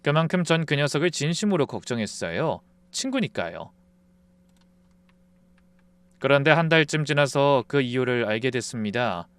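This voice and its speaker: A man's voice: medium pitch, very animated, moderate pace, long pauses, a bit bright, clear, resonant tone, dry recording. A man narrating a dramatic first-person story in an earnest, confiding way.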